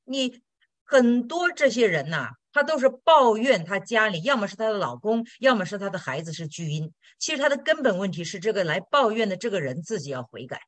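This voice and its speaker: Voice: mid-range voice, sing-song, brisk, a bit bright, no room sound. A Christian teacher answering listener questions in a sermon-style talk, direct and blunt, with frequent tag questions.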